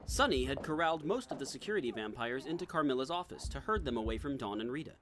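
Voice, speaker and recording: A man's voice: medium pitch, animated, quick pace, over loud music. A man reading scripted, dramatic narration as the narrator of an audio drama.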